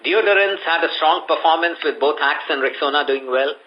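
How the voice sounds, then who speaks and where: A man's voice: fairly high pitch, a little fast. A man with an Indian accent, reading a prepared earnings presentation as a company executive on a conference call. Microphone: conference call line. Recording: muffled conference call audio.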